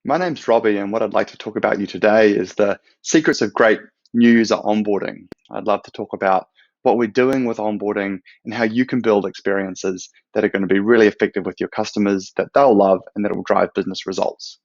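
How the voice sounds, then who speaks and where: New Zealand-accented man in his thirties, lowish gravelly voice, explains things steadily, dry close sound that is a bit dull and lo-fi. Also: steady tone, darkish tone, no echo. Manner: measured, explanatory, with some fillers. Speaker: product manager giving a talk. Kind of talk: recorded conference presentation. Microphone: close mic, webcam.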